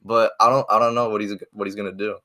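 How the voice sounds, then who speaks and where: A man's voice: fairly low pitch, flat delivery, fast talker, sharp tone, no room sound. A man co-hosting a podcast, chatting casually. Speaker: podcast co-host. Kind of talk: casual chat.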